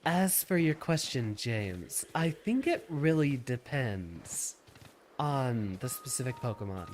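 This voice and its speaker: A man's voice: mid-range voice, sing-song, takes it slowly, noisy background. A man streaming a video game with a stuffy, slightly nasal nose, musing aloud in an easygoing way and answering viewers' questions.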